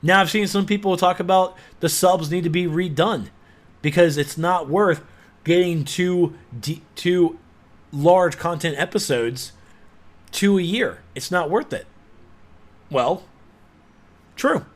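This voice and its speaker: A man giving a sarcastic, exasperated rant as a gaming commentator, with sudden loud outbursts. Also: sits high, slow, pauses often. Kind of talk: ranting video commentary.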